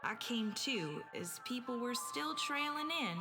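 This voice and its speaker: High-voiced, spirited young village girl played by a woman. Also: lively intonation, a little slow, loud music behind the voice. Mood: somber recollection. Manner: urgent, plain-spoken, rustic turns of phrase. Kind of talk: audio drama acting.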